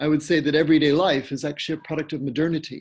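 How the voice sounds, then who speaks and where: A man talking at a very fast pace, fairly high in pitch, somewhat breathy, with fairly even intonation. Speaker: professor of international relations. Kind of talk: academic talk over video call. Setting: video call. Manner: hesitant, repeats words.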